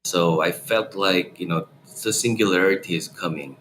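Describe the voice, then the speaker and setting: A man answers interview questions. His voice is very low. He tells his story in an animated, loosely phrased way, over faint background noise. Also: normal speed. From South Korea. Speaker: company founder and guest.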